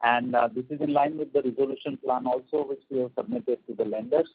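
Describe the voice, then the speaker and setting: A company executive giving a halting business briefing over a phone line that keeps breaking up, with frequent filler sounds. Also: male voice, mid-range voice, fairly even intonation, husky. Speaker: company executive on an earnings call. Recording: tinny, dry phone line.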